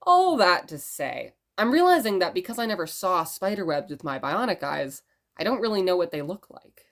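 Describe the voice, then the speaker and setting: Female fictional radio host: lowish voice, gentle storyteller, prone to musing tangents. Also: big pitch swings, normal speed. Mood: rambling, musing. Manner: musing, conversational. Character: rambling, gentle blind radio station host. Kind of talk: storytelling radio monologue in audio drama.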